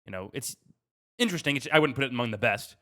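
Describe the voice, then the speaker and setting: A man's voice: medium pitch, lively intonation, fast, pushed and bright. A man co-hosting a gaming podcast, talking in a casual, informal discussion style.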